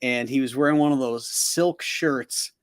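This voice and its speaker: A man's voice: mid-range voice, a little slow, no echo, studio quality. Chatty man hosting an interview. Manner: chatty, laughs often while telling anecdotes. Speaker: show host. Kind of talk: casual interview chat.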